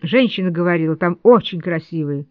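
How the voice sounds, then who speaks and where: A woman's voice: fairly low pitch, lively intonation, fairly quick, no room sound, lightly acted. A woman reading as a chatty circus lady. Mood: offhand, lively. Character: lively female circus performer, enthusiastic. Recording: dull lo-fi dry studio read.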